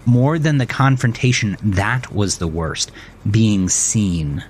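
A man's voice: lowish voice, lively intonation, takes it slowly, a little hiss or hum. A man narrating a scripted thriller story as the storyteller.

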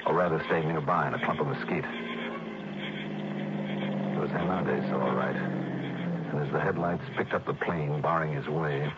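A man's voice: a bass voice, fairly even intonation, moderate pace, long pauses, very noisy. An actor playing a tough, wisecracking male insurance investigator, narrating in clipped, dry 1960s radio drama style. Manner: dry, clipped, hard-boiled. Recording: dull old radio recording with music.

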